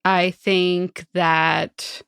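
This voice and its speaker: Gravelly, low-voiced thoughtful woman. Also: little pitch movement, very slow, a bit bright, dry recording, studio quality. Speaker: podcast co-host and player. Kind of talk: casual podcast chat.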